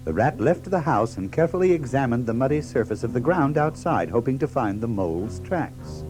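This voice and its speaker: A man's voice: medium pitch, lively intonation, a little fast, darkish tone. A man narrating a children's story in a dramatic, scripted storybook style. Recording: music behind the narration.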